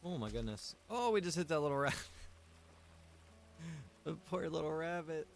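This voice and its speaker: A man's voice: on the high side, big pitch swings, moderate pace, gravelly, a little hiss or hum. A man streaming a game live, chatting casually with his viewers and reacting as he plays. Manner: chatty, talks to chat and game characters. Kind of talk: casual live-stream chat while playing.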